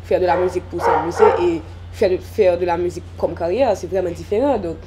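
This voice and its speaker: A young adult woman hosting a TV magazine interview, asking friendly, steady questions on a home veranda with a lapel mic. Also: on the low side, fairly quick, very noisy. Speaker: TV magazine host.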